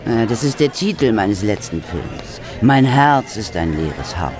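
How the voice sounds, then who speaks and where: Haughty, wildly swooping film diva. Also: female voice, extremely low pitch, very animated, measured pace, heavily acted. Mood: gracious, affected. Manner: affected, dramatic. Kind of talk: German radio play acting. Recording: party crowd and music behind.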